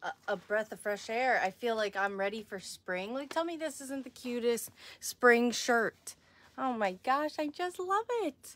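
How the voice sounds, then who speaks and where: A woman's high-pitched voice with lively intonation at a fairly slow pace. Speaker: boutique staff. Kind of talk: live sales stream chat. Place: shop. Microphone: phone near.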